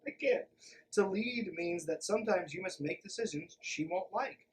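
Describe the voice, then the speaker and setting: This podcast host, a man whose animated voice sits high, reads a passage aloud at normal speed and mocks it as he goes, his remarks emphatic, sardonic and irreverent. The rough recording carries a slight hiss or hum.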